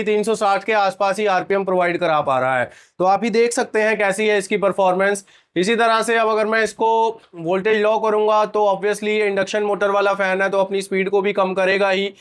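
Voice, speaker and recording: High-voiced man with a sore throat. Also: clean tone. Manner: chatty, talks viewers through a live test. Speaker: product reviewer, channel host. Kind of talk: casual product review vlog.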